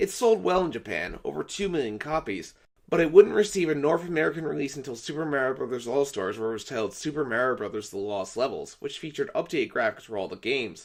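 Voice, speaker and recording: A fairly high-pitched man's voice with vocal fry, very wide pitch swings, a very fast pace and hardly any pauses. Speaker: video game reviewer. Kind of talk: scripted narration.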